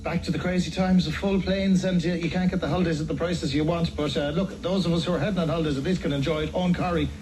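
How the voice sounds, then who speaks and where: A man's voice: on the high side, steady tone, quick pace, hardly any pauses. An Irish man presenting a radio breakfast show, conducting a live news interview.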